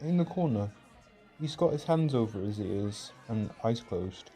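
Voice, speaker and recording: A man's voice: lowish voice, expressive, measured pace, mellow. A man playing an easygoing, friendly mate at a party, talking casually and amiably in a roleplay audio. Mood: curious, concerned. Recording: party music behind.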